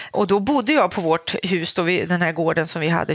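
Her fairly low voice, with ordinary pitch variation, comes through with a dry, close sound and no echo as this woman speaks. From Sweden, Bergslagen (Lindesberg). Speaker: cultural historian and garden writer. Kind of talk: interview. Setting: greenhouse in her garden.

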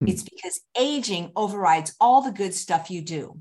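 A woman at a moderate pace, with lively intonation and an unremarkable speaking voice. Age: 60s. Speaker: vegan YouTuber and comedian. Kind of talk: stand-up. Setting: video call.

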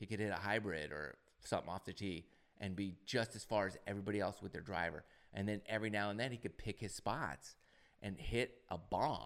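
A man with a Californian accent talks at a fairly quick pace in a fairly low voice. His tone is animated, with ordinary pitch variation. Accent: Californian American. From San Diego, California. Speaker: golf podcast host. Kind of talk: casual solo podcast commentary.

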